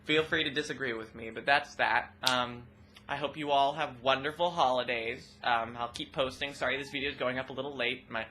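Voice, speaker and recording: A young trans woman with a rather deep voice, talking expressively and loudly in a casual personal vlog. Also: a little fast, a little hiss or hum. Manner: expressive, loud, laughs often. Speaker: vlogger.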